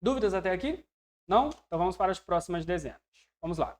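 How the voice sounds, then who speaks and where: Patient Brazilian English teacher drilling numbers. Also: male voice, high voice, lively intonation, quick pace. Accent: Brazilian Portuguese. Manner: patient, often checks in with the learner; voices learners' questions to himself. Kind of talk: online language lesson.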